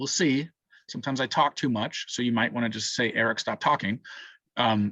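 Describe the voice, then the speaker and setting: A man with a plain, everyday voice speaks at a medium pitch and a fairly quick pace, his pitch varying in an ordinary way. The sound is dry and close with no echo over a quiet background. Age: 30s. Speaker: college statistics instructor. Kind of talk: online lecture.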